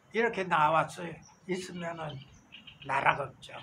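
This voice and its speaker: Noticeable background noise fills the recording. The voice is a man's. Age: old. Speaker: political commentator. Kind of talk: political rant. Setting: outdoors.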